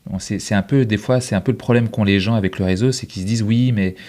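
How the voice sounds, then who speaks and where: Man, fairly low voice, conversational storyteller, interview guest, quotes people as he goes. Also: quick pace, dark tone.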